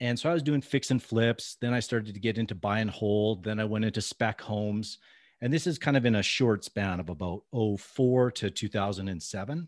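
An unremarkable speaking voice from a man with a Canadian accent, fairly low in pitch with ordinary pitch variation, at a moderate pace, dry and close with no echo over a quiet background. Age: 40s. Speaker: commercial real estate developer and investor. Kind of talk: interview.

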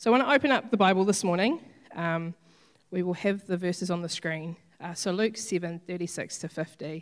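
A woman with a New Zealand accent talks at a fairly quick pace in a fairly low voice with lively intonation. The recording is very clean, with a silent background. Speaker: preacher. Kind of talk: sermon.

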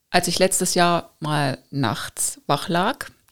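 With vocal fry and a fairly low pitch, a woman speaks using ordinary pitch variation. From village near Nordhausen, Thuringia. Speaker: university podcast host. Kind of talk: casual interview. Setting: studio.

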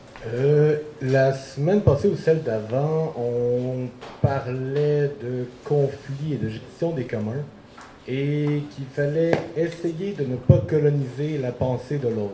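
A man speaks very slowly at a fairly high pitch, his pitch variation ordinary, while noticeable background noise runs underneath. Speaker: audience member. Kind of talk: public Q&A.

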